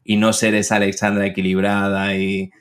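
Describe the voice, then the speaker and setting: A man interviewing a guest in a friendly, playful way, with quick affirmations. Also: lowish voice, monotone. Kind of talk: conversational interview.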